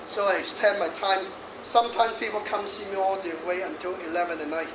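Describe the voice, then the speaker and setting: With a high-pitched voice and a slightly quick pace, a sixty-something feng shui master jokes his way through a lively talk before a hall audience, laughing often and chatting between points. The mic sits far away, picking up echo and noise.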